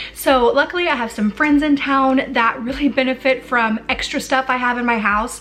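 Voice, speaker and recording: Against noticeable background noise, a woman with an American accent speaks at a high pitch, with fairly even intonation and hardly any pauses. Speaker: lifestyle vlogger. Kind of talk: casual chat. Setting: home kitchen. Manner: fast.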